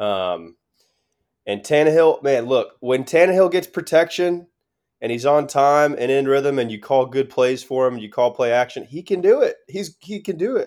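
In a very clean recording with a silent background, a man with a fairly high pitch speaks in a normal speaking voice. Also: moderate pace. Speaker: sports podcast host. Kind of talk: casual chat.

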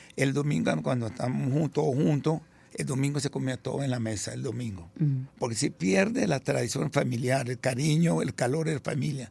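A man speaks at a medium pitch and a moderate pace. His voice has vocal fry and very wide pitch swings. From Venezuela, Caracas. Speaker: hot dog street vendor. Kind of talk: interview. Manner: halting.

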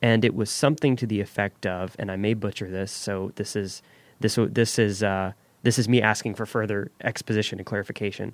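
A man with an American accent and an unremarkable speaking voice talks at a fairly quick pace and a fairly low pitch. His intonation is fairly even, on a very clean recording with a silent background. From USA. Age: 20s. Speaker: podcast host. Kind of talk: podcast interview.

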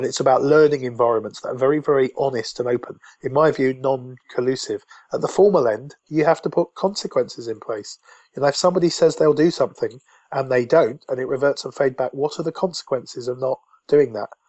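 A man with an English accent speaks at a very fast pace. His pitch is fairly high, with ordinary pitch variation. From England. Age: 40s. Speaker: learning and development facilitator. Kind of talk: interview.

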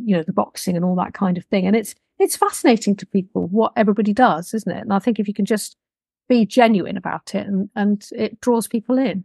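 In a British accent, a woman talks at a fairly quick pace with medium pitch and ordinary pitch variation. The sound is dry and close, with no echo. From Britain. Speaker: podcast host and author. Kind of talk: casual interview chat; solo podcast monologue.

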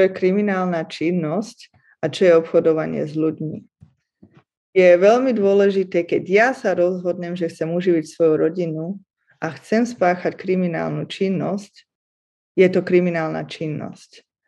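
Medium-pitched female voice, dark and mellow in tone, at a fairly slow pace with ordinary pitch variation. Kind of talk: interview.

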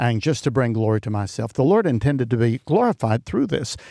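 A man with a dark, mellow tone and medium pitch speaks with lively intonation, the sound dry and close with no echo, on a very clean recording with a silent background. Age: 70s. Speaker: pastor and author. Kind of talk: interview about faith and personal story. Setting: at his home.

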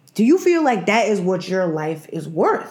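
A woman speaks in an animated tone with very wide pitch swings. Noticeable background noise runs underneath. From US, child of Jamaican immigrants. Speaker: podcast co-host. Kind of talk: casual chat.

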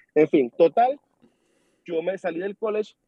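A man is speaking. His pitch swings very widely. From Maracaibo, Venezuela. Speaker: podcast creator, immigrant. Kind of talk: casual interview chat. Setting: video call.

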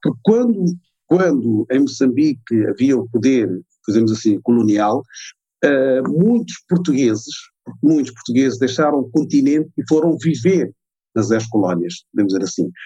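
Using lively intonation, a man with a dark, mellow tone speaks at a moderate pace. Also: medium pitch for a man. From Mozambique. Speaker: imam. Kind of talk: interview. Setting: library.

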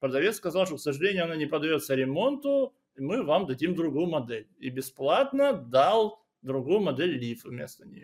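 A man with a plain, everyday voice, fairly high pitch and lively intonation. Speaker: guest, streamer and gamer. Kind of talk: casual conversational chat. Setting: remote call, midnight.

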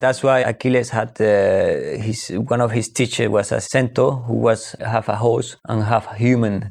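Monotone, flat intonation with a Spanish accent and hardly any pauses. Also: man, medium pitch for a man, fairly slow pace. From Spain. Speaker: private chef. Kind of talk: casual chat. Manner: halting, with fillers.

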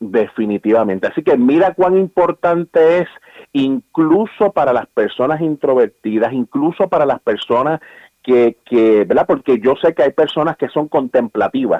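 A man's plain, everyday voice, fairly high in pitch, with lively intonation, very even loudness and a moderate pace. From Puerto Rico, Ponce. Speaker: counseling psychologist. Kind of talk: radio interview.

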